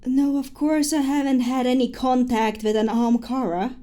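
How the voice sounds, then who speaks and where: A woman's voice: high voice, fairly even intonation, normal speed, dark tone, pitched above the performer's own voice, lightly acted. A woman voicing a chipper, friendly little robot companion in casual, playful game banter. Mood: defensive.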